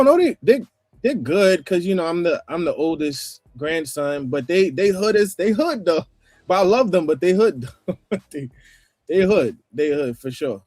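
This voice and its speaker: A man's voice: a little high, darkish tone, no room sound. Rambling New York man on a livestream. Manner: rambling, frequent restarts and throat clearing. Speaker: panel guest. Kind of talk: casual livestream panel chat.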